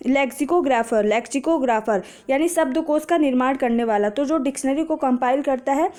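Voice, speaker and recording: A woman tutor runs through vocabulary for an exam, her voice high-pitched yet soft and dark in tone. She poses each question and answers it herself, linking words to easy memory tricks. English phrases come slowly and carefully. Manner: explains patiently with memory tricks, asks and answers own questions. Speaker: exam prep teacher. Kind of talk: vocabulary lesson.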